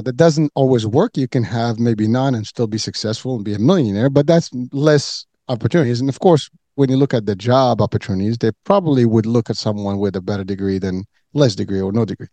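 A man's voice: medium pitch, warm tone, no room sound. A man from Morocco hosting a podcast, talking earnestly in a loose way, repeating words and saying "you know" a lot. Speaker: podcast host. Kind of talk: casual interview talk.

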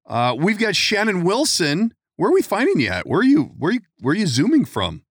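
A man's voice: high-pitched, wildly swooping pitch, brisk, breathy edge, no room sound. A man hosting a casual podcast interview from his studio, chatty and joking, rambling a bit as he talks. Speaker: podcast host. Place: studio in Minneapolis.

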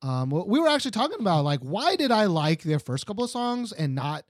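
Guy cohosting a podcast, jokey and animated, pitch bouncing all over, dry close sound. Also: fairly quick, dry recording. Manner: animated, jokey, laughs often. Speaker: podcast co-host. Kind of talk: casual chat. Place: Seoul, South Korea.

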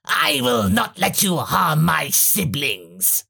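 A sly, husky insect-like android speaks slowly and silkily, his voice gravelly and low, as a man puts him on. His pitch dips and climbs with relish, and he comes from a fan-made storybook reading. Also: wildly swooping pitch, bright, forceful tone, full character voice. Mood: scheming. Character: scheming insectoid male bio-android, cold and sly.

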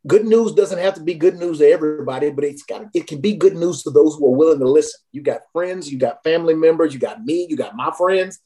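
A man's voice: fairly high pitch, fast, hardly any pauses, dark tone, faint music behind. A man working as a recovery advocate, speaking earnestly and encouragingly as a podcast guest. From Tennessee. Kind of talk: casual podcast conversation.

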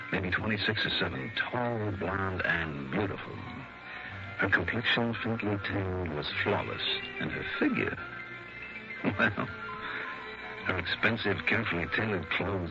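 Dry wisecracking radio detective, lowish voice, muffled old broadcast sound. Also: male voice. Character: wry, easygoing male freelance insurance investigator. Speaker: insurance investigator. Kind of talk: 1960s radio drama acting with narration.

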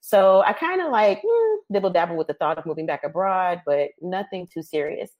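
A woman's voice: lowish voice, fairly quick, highs cut off. Chatty woman guest from Detroit. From Detroit, Michigan. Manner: lively, laughs often, says "um" and "like". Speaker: podcast guest. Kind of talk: conversational storytelling.

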